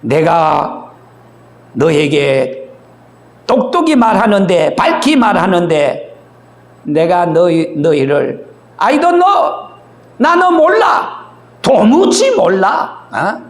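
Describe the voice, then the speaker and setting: A man's voice: high-pitched, sing-song, drawn-out words, roomy sound, heavily acted. A man preaching, voicing Jesus as a judge who sternly rejects the false preacher.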